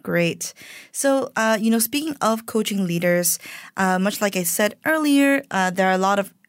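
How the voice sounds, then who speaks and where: A woman's voice: medium pitch, expressive, moderate pace, no echo. A woman hosting a business radio podcast, introducing her guest and asking questions fluently with casual fillers. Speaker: podcast host. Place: radio studio. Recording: dry studio with faint music.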